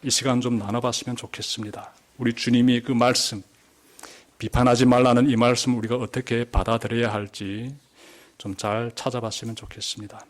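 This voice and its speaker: A male pastor delivers a Sunday sermon in a church sanctuary, unhurried and measured. He lingers on key words, repeats them, and lifts his voice to drive a point home. His pitch sits in the middle range for a man. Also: flat delivery. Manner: deliberate preaching, repeats key words, rises for emphasis.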